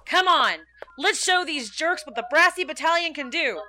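A woman's voice: sits high, expressive, moderate pace, bright, forceful tone, heavily acted. An actress playing a brash, tough-talking young woman aviator in an old-time radio serial. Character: bold young woman aviator leading a squad.

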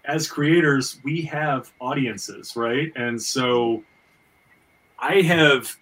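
A man's voice: mid-range voice, extremely slow, a bit bright, distant mic, low-quality recording. A man hosting a casual podcast, speaking emphatically with repeated stammering starts and free swearing. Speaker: podcast host.

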